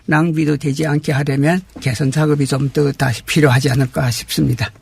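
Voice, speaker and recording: A man giving polite, measured explanations as a guest in a formal interview. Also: a little high, level tone, creaky, darkish tone, husky. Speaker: interview guest, community representative.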